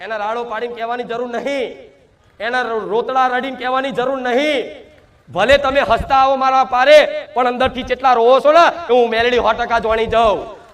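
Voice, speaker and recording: A man's voice: very high voice, fairly even intonation, normal speed, fairly bright tone. A man. He speaks in the first person as a divine mother figure and addresses devotees directly. His delivery is emphatic and full of rhetorical questions. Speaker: spiritual medium speaking as the goddess to devotees. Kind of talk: devotional sermon.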